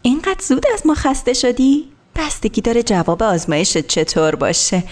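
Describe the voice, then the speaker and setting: A woman's voice: on the high side, very animated. A woman voicing a kind female hospital carer in a cartoon dub, soothing and encouraging.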